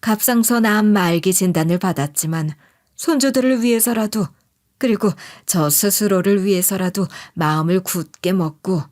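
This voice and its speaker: A woman's voice: mid-range voice, a little mellow. A woman reading a scripted first-person story as its narrator.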